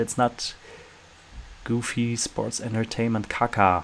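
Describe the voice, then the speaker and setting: A man speaks at a medium pitch with a non-native accent. Noticeable background noise runs behind him. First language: not English. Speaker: let's play gamer. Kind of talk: gameplay commentary. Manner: casual, thinking aloud.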